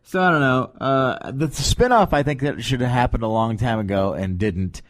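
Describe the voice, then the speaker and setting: A man hosting a podcast in casual, joking banter, talking in a meandering, halting way on a close mic. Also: medium pitch, no echo. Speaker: podcast host.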